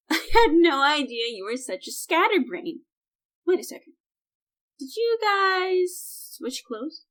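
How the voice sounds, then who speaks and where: A woman's voice: high voice, sing-song, slow pace, fairly bright tone, heavily acted. A woman playing a casual, flippant young friend in an audio drama. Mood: teasing.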